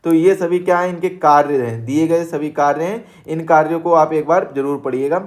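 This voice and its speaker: A man's voice: fairly high pitch, normal speed. A man teaching exam material, reading formal rules aloud and restarting words as he adds reminders to remember them. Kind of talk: reading and explaining study notes.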